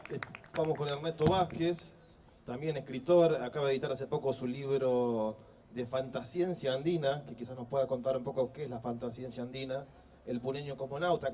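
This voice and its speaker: A man's voice: medium pitch, a little mellow. An Argentine man moderating a book fair, introducing the next speaker in a friendly, explanatory way with frequent fillers. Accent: Argentine Spanish. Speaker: event host and moderator. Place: outdoor plaza at a book fair. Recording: distant outdoor recording with faint background noise.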